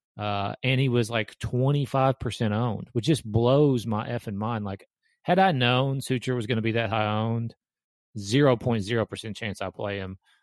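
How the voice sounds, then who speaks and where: Speaking at a fairly slow pace with a Southern US accent, a man at medium pitch comes through dry and close with no echo, on a very clean recording with a silent background. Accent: country Southern US. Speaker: podcast co-host. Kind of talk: casual sports chat.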